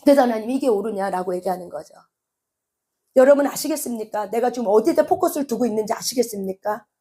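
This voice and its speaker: Emphatic woman preacher, high pitched, questioning sermon style. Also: lively intonation, fast talker, mellow, slightly rough. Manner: emphatic, fires rhetorical questions at listeners. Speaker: preacher and counselor.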